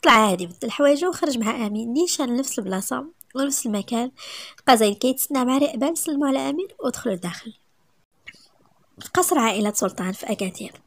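A woman with a Moroccan accent reading a romance story aloud, brisk and even, dropping to a soft whisper at times. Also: fairly high pitch, no room sound.

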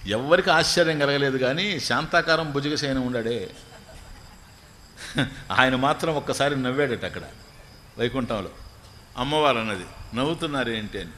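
A man, a spiritual teacher, giving a storytelling religious discourse. He chants scripture verses slowly, then explains them in everyday talk with jokes. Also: medium pitch, sharp tone, a little hiss or hum.

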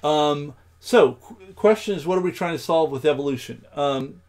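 A man hosting a programming livestream, thinking aloud as he codes, with many pauses and ums. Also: fairly high pitch, darkish tone. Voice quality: gravelly. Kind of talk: live coding with commentary.

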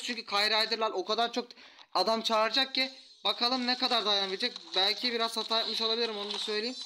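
A man commentating a mobile strategy game, taunting the enemy troops with rough slang. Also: high voice. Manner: taunting, trash-talks enemies, rough slang. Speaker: gaming YouTuber. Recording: loud background noise.

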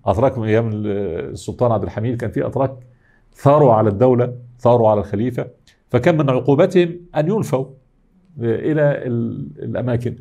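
Fast-talking Egyptian man lecturing. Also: mid-range voice, vocal fry, mellow. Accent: Egyptian Arabic. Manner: explains step by step, asks and answers his own questions, many fillers. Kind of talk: academic lecture.

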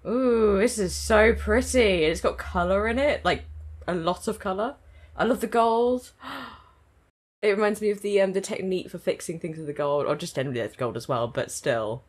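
A woman giving excited, gushing reaction commentary as she watches an anime episode, speaking into her own microphone. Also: medium pitch, moderate pace, husky. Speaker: anime reaction channel host. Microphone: own desk microphone.

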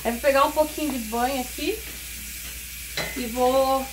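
In her home kitchen beside a wood stove, a woman from Paraná with a Brazilian Portuguese accent talks her viewers through a recipe step by step, checking in with them often. Her high voice moves at normal speed with fairly even intonation. The phone-camera recording is noisy, with sizzling food audible.

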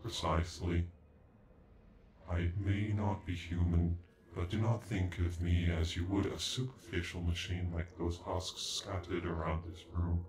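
A man's voice: low voice, darkish tone. A man voicing a proud, cold male android in an ASMR roleplay, with stilted, formal speech that can stutter like a glitch. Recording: echoey, with background music.

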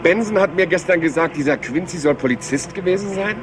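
An actor playing a rumpled, polite police inspector in a crime radio play, hesitant and rambling as if scatterbrained. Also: male voice, sits high, brisk, noisy background, natural voice. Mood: musing, chatty. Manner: hesitant, rambling, courteous, mock-modest.

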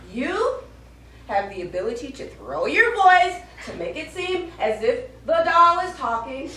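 A woman's voice: very high voice, a little hiss or hum, exaggerated voice. A woman playing a blunt, matter-of-fact stage manager in a live stage play. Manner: animated, bluntly reassuring, hesitant ums. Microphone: far camera. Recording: very echoey distant stage camera recording.

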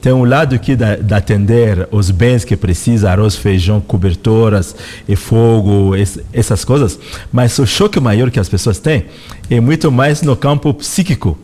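Middle-aged congolese-accented guy, lowish voice, calm explaining in a radio studio. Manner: measured, reflective explaining. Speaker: representative of a spiritual organization, guest. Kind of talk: interview answers. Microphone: studio microphone close in front.

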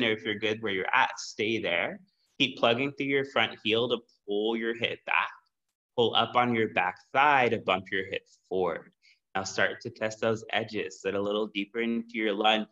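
A man teaching a live-streamed power yoga class, giving steady, encouraging cues and breath prompts. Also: fairly low pitch, dull audio. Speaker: yoga instructor.

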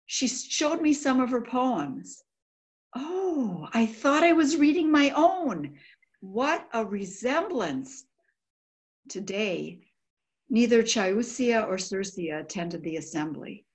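An older woman gives a dramatic, emotional, halting reading of a diary. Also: a little high, very animated. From United States. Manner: emotional, halting, sighing delivery. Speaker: volunteer diary reader. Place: indoor room by a window.

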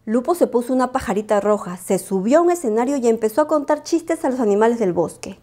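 A woman reading a children's bedtime story aloud, expressive and animated. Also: a little high, quick pace.

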